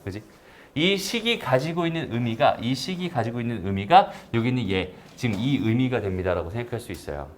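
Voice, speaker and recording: A man teaching a recorded math lecture in a casual way, often checking understanding with quick tag questions. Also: mid-range voice, expressive, slight background noise.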